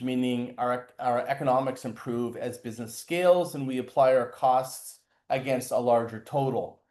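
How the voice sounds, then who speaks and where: A man's voice: mid-range voice, a little mellow. Man formally presenting company results. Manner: formal, measured delivery with stumbles over words. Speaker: company chair and CEO presenting. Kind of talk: scripted financial results presentation.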